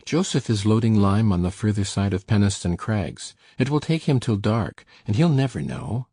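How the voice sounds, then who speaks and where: Woman putting on a sullen teenage farm lad, very deep gruff voice, husky, dark tone, dry sound. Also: animated, normal speed, no echo, full character voice. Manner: low, gruff and resentful.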